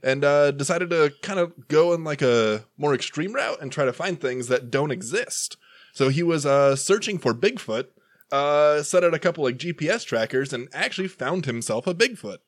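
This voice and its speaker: A man with an animated, swooping voice talks through his character at a tabletop game. He is laid-back and chuckles as he goes. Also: fairly high pitch, moderate pace. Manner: laid-back, lots of "like" and "uh", laughs. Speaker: player. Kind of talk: casual tabletop game chat.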